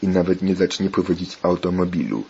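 A man voicing a stern, worried father who scolds his son, in a steady, insistent tone. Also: sits low, fairly quick, creaky, lo-fi sound, slight background noise. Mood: scolding.

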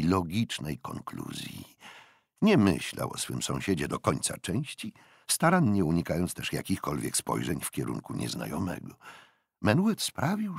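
An older man reads literary fiction in a very low, husky voice. His delivery swings widely in pitch, with deliberate phrasing and dramatic pauses that give the narration a theatrical shape. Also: no room sound, studio quality. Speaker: audiobook narrator.

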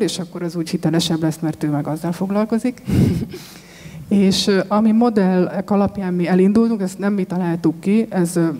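Woman farmer, 30s, panel guest, mellow tone, hesitant, echoey hall. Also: on the low side. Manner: thoughtful, steady, many hesitations. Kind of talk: panel discussion answers. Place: large expo stage with sofas. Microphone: handheld mic. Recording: long hall reverb.

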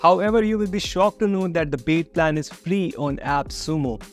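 A young man hosting a scripted software review to camera, upbeat and friendly, walking through each step plainly. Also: fairly high pitch, normal speed, faint music behind. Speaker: tech reviewer, channel host. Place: dim home studio room, indoors.

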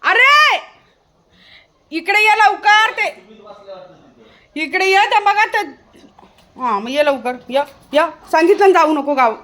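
A woman's voice: very high voice, expressive, slow, long pauses, bright, forceful tone. A woman vlogging outdoors as she teases and scolds her dog, laughing often. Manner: scolding and teasing, with frequent laughter. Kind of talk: casual vlog talk to her dog. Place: outdoors in an open ground.

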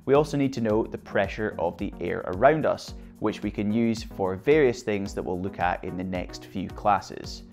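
Man, low voice, gravelly, relaxed conversational teaching, faint music behind. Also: normal speed, few pauses. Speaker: flight theory instructor. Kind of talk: explanatory online lesson.

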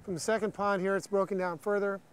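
A man's voice: high voice, little pitch movement, fast, smooth, low-quality recording. An American man giving an unscripted, practical walk-through explanation as a brewery guide. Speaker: brewery staff giving a tour. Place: on a walking tour around an industrial brewery, much of it outdoors.

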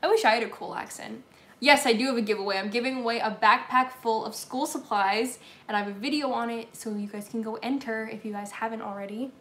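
A young Southern woman talks fast in a slightly high, fairly bright voice as she bakes, replying casually to comments on her kitchen live stream. The laptop or phone camera sits at table distance, capturing the echoey kitchen acoustics.

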